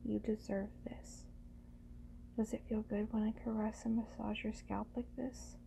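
A woman playing a doting, teasing lover in an intimate ASMR roleplay, speaking gently and soothingly in a breathy voice that often slips into whispers. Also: medium pitch, flat delivery, unhurried, a little hiss or hum. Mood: tender.

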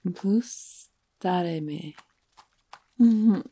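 Brief: woman as a domineering female life-draining creature, husky whispered delivery, slow and a bit high. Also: dark tone, full character voice. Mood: seductive, domineering. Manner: breathy, whispered, domineering teasing. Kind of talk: erotic audio roleplay.

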